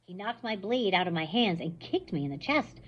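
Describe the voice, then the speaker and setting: A woman reads a novel aloud, shaping the action scenes with lively swings in pitch. Her voice has a husky edge. The recording sounds dull and muffled. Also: moderate pace. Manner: expressive storytelling. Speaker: reader.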